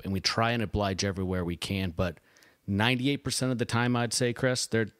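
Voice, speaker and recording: Male host in his forties, low voice, dry studio sound, steady and conversational. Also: no room sound. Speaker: show host. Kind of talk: podcast hosting.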